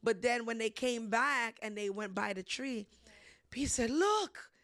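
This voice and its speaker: Animated woman sharing faith stories. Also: a little high, normal speed, dry recording, clean studio sound. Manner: animated storytelling, laughs often. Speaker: ministry host. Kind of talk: casual faith discussion.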